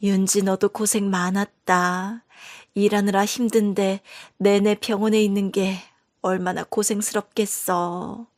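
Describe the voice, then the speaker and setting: A woman puts on an elderly mother in a spoken story, gentle and caring, talking softly and without hurry. The recording is close and dry. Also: medium pitch, flat delivery, no echo, close to an everyday voice. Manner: soft, slow and caring. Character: gentle older mother recovering from surgery. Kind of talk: scripted story narration.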